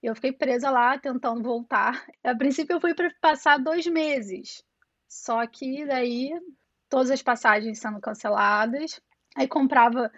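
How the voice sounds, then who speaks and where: Brazilian woman, 30s, Rio accent, chatty interview guest; slightly high voice, dry, dull lo-fi call sound. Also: a little slow, fairly bright tone, no room sound. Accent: Rio de Janeiro, Niterói. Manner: chatty, full of fillers and restarts. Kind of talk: casual conversational interview. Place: home in Toronto over a call.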